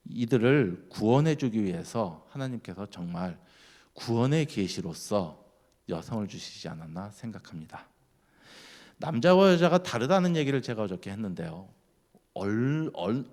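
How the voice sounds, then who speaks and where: A man giving a sermon at a church, keeping it lively by putting questions to the congregation. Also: medium pitch. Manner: lively, keeps quizzing the congregation. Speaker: guest speaker at a church.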